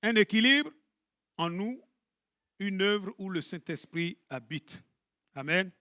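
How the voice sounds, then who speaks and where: A middle-aged pastor, preaching a lively sermon to his congregation. He swings between loud bursts and hushed asides and jokes with the listeners. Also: high-pitched, slow pace, dry recording, studio quality.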